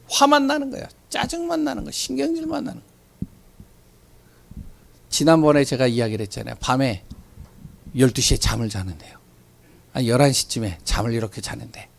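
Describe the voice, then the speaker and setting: A man who is a pastor, preaching a sermon with animated storytelling and rhetorical questions, often dropping suddenly to a quiet voice. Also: high-pitched, creaky.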